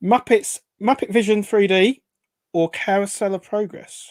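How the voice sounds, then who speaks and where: A woman speaks at a medium pitch in a British accent, fairly slowly. The sound is dry and close with no echo. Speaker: podcast host. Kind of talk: casual chat. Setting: live online show.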